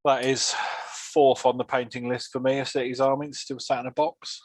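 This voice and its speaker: A man co-hosting a casual hobby chat in a relaxed, joking way. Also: medium pitch, fairly quick, no room sound, rough recording. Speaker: podcast co-host.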